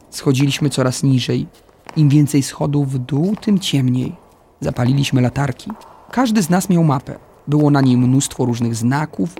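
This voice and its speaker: A man narrating a children's adventure story in the first person, with a lively storytelling delivery. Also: on the high side, a little hiss or hum.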